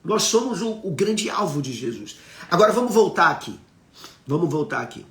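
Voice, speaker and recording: A Brazilian man preaching on a live stream, his voice sitting a little high for a man. He teaches with emphasis, keeps asking his viewers questions and answers their comments. The sound is roomy and echoey. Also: very animated, normal speed. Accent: Brazilian Portuguese.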